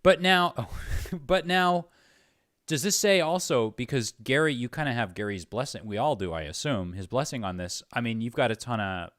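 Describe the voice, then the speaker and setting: A male interviewer with a mid-pitched voice, recorded close and dry. He keeps things casual and conversational, attentive to his guest. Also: lively intonation, moderate pace, a bit bright, no echo. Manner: attentive, frequent short acknowledgements. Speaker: interviewer, host.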